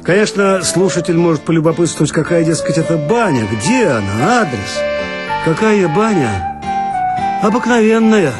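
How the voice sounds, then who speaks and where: A man's voice: a little high, very animated, moderate pace, over loud music. A man performing a comic first-person monologue in a folksy, naive, grumbling manner. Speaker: storyteller.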